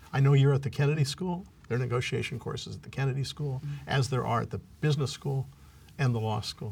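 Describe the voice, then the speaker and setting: Speaking at a very fast pace, a man with a General American accent sounds somewhat breathy, with a medium pitch and ordinary pitch variation. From US Midwest, Kansas City. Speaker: law professor. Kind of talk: interview.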